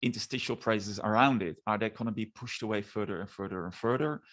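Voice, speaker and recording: Thoughtful, low-voiced male academic. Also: a bit bright. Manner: measured, thoughtful, hesitant restarts. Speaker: discussant at an academic seminar. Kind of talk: academic discussion, spoken questions.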